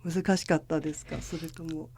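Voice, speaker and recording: A woman's voice: low-pitched, level tone, rapid-fire, darkish tone, husky, no echo. A woman in her thirties, a journalist hosting a podcast with polite, scripted introductions.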